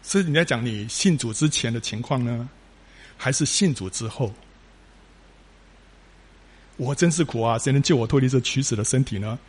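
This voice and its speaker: A man's voice: medium pitch, animated, moderate pace, long pauses, darkish tone, breathy edge. A man preaching a sermon, telling stories with rising emphasis and frequent filler particles.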